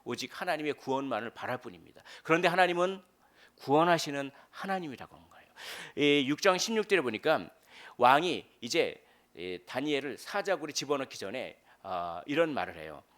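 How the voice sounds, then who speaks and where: A man preaching a midweek sermon as pastor, in a conversational way with fillers, rising to loud dramatic quotations. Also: medium pitch, sing-song, fairly quick.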